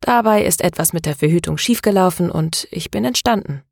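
A woman's voice: on the low side, a little fast, vocal fry, a little mellow, no echo, studio quality. A woman narrator voicing a troubled young woman who hesitantly confides in her best friend.

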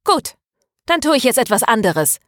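An indignant young female student from an audiobook, acted out by a woman narrator. She speaks emphatically and defiantly, her voice pitched up, in a close, dry recording. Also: expressive, brisk, no echo, lightly acted. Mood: defiant, agitated. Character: angry, stubborn young female student, passionate and worried. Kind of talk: dramatized audiobook dialogue.

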